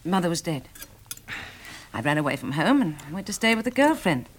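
An actress playing a wistful, playful, well-bred young woman novelist in a 1960s radio drama, hesitant and expressive. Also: fairly low pitch, a little fast, a little hiss or hum. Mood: earnest.

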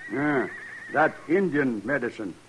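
An actor playing a stoic, dignified tribal chief in a 1950s radio western, speaking terse, halting broken English. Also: male voice, medium pitch, animated, fairly bright tone, a little hiss or hum, rough recording. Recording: vintage 1950s radio recording.

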